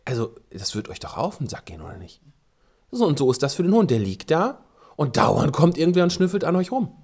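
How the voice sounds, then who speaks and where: A man hosting a podcast, giving casual advice to dog owners and working as a dog trainer, talking in an animated way with frequent ums and restarts. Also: a little high. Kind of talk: casual spoken advice talk.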